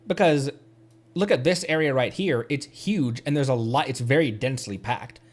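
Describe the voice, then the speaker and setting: A man's voice: mid-range voice, normal speed. A man doing casual, chatty game commentary as a streamer, hesitant as he thinks aloud. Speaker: streamer, VTuber host.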